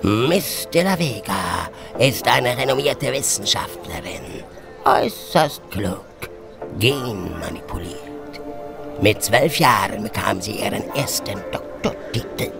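Man playing a creaky, over-polite alien client. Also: lowish voice, sing-song, heavily acted. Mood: sly, businesslike. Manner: formal, halting, with odd chuckles. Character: albino alien client, stilted, slyly amused, over-polite. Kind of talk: science fiction radio play acting. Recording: music under the voice.

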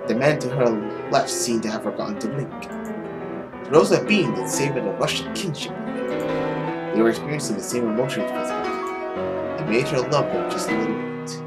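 A young man narrates a visual novel as a gaming host. His reading is expressive and theatrical, with prominent instrumental music playing loudly under his voice. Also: medium pitch, fairly quick. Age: young adult. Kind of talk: dramatic read-aloud narration of a visual novel. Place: small room at home, indoors. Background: loud game music.

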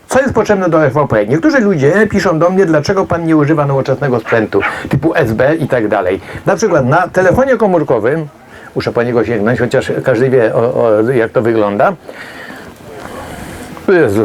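A man's voice: medium pitch, big pitch swings, brisk, slight background noise. A man, working as a medium and giving a chatty, jokey talk to an audience, wandering off into asides and acting out the voices of the people he quotes.

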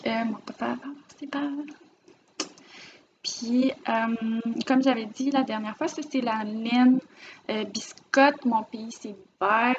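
This Quebec French-accented knitting vlogger talks casually to her camera, warmly rambling about the finished pieces she's showing off. Her voice is a little high with vocal fry, and the lo-fi recording from her camera mic carries background noise.

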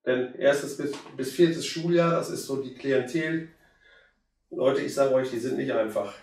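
A hoarse man in his fifties with a cold, chatting casually to viewers as he works on a plant. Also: medium pitch, a little slow, recorded from a distance, slight background noise. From Germany. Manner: relaxed, chatty, addresses viewers directly. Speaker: bonsai hobbyist. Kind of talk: casual how-to commentary while working. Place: indoor room with curtain backdrop. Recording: very echoey room, voice off-mic.

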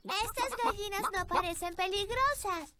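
Very high-pitched little fairy princess. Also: female voice, normal speed, heavy background noise. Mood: curious. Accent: Latin American. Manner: wide-eyed, exclaiming. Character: curious, excitable little fairy princess girl. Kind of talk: cartoon dub dialogue. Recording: loud music behind.

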